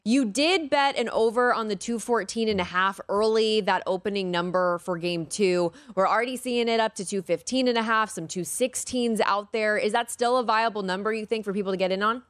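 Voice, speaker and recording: A woman hosting a sports betting talk show at an average pitch. She chats casually and keeps the guest talking with questions. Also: brisk, hardly any pauses.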